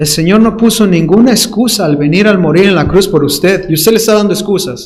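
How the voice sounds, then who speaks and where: His voice is high for a man, with ordinary pitch variation and a moderate pace. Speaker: preacher. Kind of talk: sermon.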